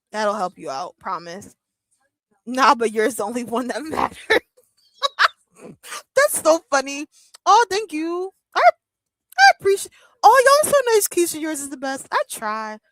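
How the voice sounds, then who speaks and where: A woman in her thirties hosts a live watch-along stream, talking casually and playfully with her viewers. Her voice sits a little high, and the sound is close and dry, as if she is right at a desk mic. She keeps up a loose, joking patter full of fillers. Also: fairly bright tone, no room sound, low-quality recording. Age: 30s. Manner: playful, joking, laughs often, lots of fillers. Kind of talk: casual live-stream chat reading comments.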